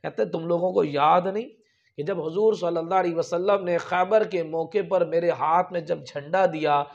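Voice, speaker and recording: A man's voice: a little high, moderate pace, gravelly, muffled recording. A man preaching a sermon, telling religious stories with emphatic raised peaks. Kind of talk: storytelling sermon.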